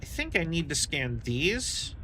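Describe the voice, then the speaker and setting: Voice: mid-range voice, very animated, measured pace, pushed and bright. A game streamer giving casual live commentary, rambling and thinking aloud while playing. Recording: clear game noise behind voice.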